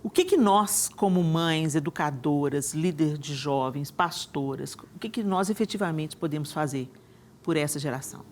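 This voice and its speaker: A woman's voice: low-pitched, normal speed, darkish tone, slight background noise. A woman hosting a TV talk show from a studio, speaking enthusiastically with frequent restarts and tag questions. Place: television studio.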